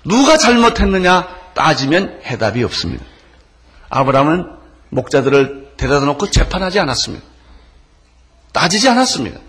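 A man preaching a sermon, emphatic, swinging between loud stresses and soft drops. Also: a little high, very animated, normal speed, husky. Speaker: pastor.

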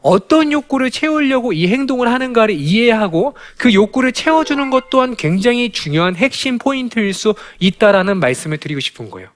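Guy doing a parenting lecture, high voice that jumps all over, keeps asking the crowd questions. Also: fairly quick, hardly any pauses. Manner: animated, asks rhetorical questions, acts out children's lines. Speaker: parenting educator.

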